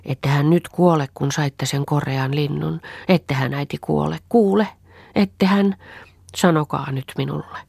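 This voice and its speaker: A woman voicing an excited little peasant girl who pleads breathlessly. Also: deep voice, gravelly, husky, no echo, full character voice. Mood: joyful pleading.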